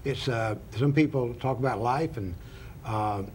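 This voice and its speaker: A man hosting a Christian television talk show, speaking in a deliberate, sermon-like way with frequent "uh" fillers. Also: medium pitch, a little mellow, slight background noise. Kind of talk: preachy opening then interview.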